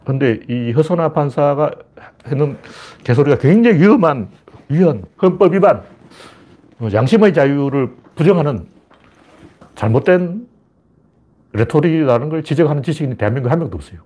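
A man's voice: on the high side, animated, normal speed, long pauses, warm tone. A man giving a heated political monologue, emphatic and blunt, acting out taunting questions. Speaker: political commentator.

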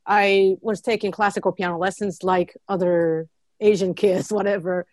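A woman's voice: mid-range voice, moderate pace, dry recording. A woman in her thirties from Japan with a Japanese accent, a guest chatting casually and saying "like" a lot. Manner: relaxed, chatty, says "like" often. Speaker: guest jazz pianist. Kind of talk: casual interview chat.

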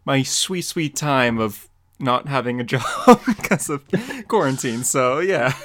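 Male co-host, mid-pitched, loose and chatty, laughs through his lines. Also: expressive, slow, fairly bright tone, a little hiss or hum. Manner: rambling and giggly, laughs often mid-sentence. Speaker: podcast co-host and comic artist. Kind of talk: casual chat.

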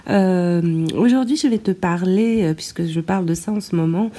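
A woman hosts a casual solo podcast in a fairly low, very mellow voice. She talks hesitantly, leaving drawn-out pauses. The sound is a low quality stream, captured on a tablet's built-in microphone. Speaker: podcast host. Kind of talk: informal solo podcast talk. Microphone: tablet's built-in microphone, no proper mic.

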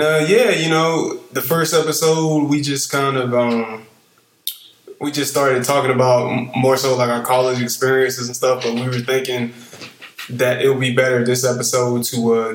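A man's voice: mid-range voice, reverberant, poor audio. A young man from Eastern North Carolina with a Southern accent, co-hosting a podcast in a laid-back, rambling way full of fillers. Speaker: podcast co-host. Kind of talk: casual podcast chat.

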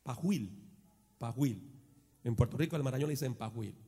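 A pastor preaching a sermon, calling on the congregation to repeat after him, shifting between shouted exclamations and quiet asides. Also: male voice, lively intonation, normal speed, husky, in a large hall. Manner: swings from shouted exclamations to low conversational asides.

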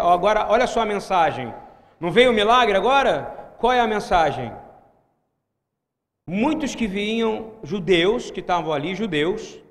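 A man with a high-pitched voice preaches a sermon in a large church hall. He is emphatic and keeps calling out questions to the congregation. A long reverb trails after his words. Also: a bit bright.

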